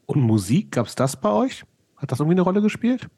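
Fast-talking husky male host. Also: a little high, very animated, darkish tone. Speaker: podcast host. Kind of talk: casual conversation.

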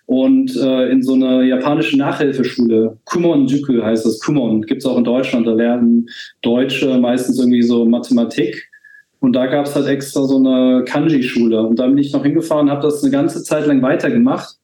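Man, forties, from Germany, casual podcast guest, halting speech with fillers, mellow tone, echoey room. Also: medium pitch, fairly even intonation. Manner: hesitant, many fillers and restarts. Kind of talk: casual conversation.

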